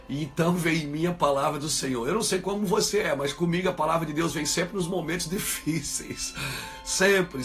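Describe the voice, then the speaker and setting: Higher-voiced pastor preaching a story-sermon. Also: male voice, a bit bright. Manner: conversational story that builds to fervent preaching.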